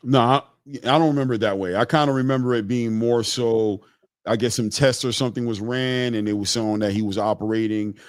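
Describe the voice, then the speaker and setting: A man in his forties hosting a podcast, answering in a measured, hedging way as he thinks aloud. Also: medium pitch, fairly even intonation, no echo, clean studio sound. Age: 40s. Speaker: podcast host. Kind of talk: casual podcast chat.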